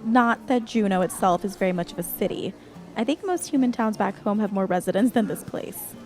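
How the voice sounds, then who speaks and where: A woman's voice: medium pitch, expressive, brisk, darkish tone, soft background music, close to an everyday voice. A woman playing a practical, matter-of-fact young water nymph in a naturalistic audio drama. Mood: wry, nostalgic.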